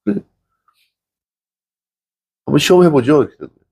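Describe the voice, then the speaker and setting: Gravelly husky male pastor preaching. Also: fairly high pitch, animated, a little fast, a little mellow. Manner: conversational preaching, rhetorical questions to the congregation; acts out dialogue from scripture stories. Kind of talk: sermon.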